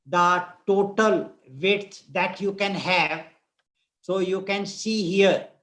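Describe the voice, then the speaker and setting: A man with a North Indian accent teaches a class online in a fairly high voice. He is deliberate in his explanations and often repeats a phrase before moving on. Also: bright, forceful tone. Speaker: instructor. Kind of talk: live online statistics lecture.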